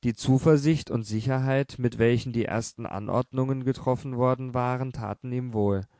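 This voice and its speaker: A male narrator reads a literary audiobook in a measured, even manner. His voice sits in an ordinary middle register. The recording is close and completely dry. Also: mid-range voice, no echo.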